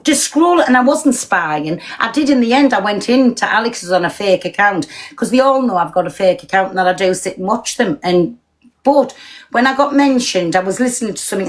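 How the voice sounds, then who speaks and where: A woman's voice: mid-range voice, low-quality recording. A British woman ranting bluntly and swearing as she talks live to her viewers. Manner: blunt, sweary, fast-talking and confrontational. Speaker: TikTok live streamer. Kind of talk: ranting live stream chat.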